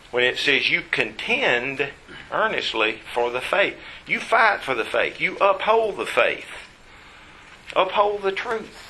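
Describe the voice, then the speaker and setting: A man's voice: mid-range voice, pushed and bright, a little hiss or hum, rough recording. A man preaching a Bible study sermon, stressing key words by repeating them and putting questions to his listeners.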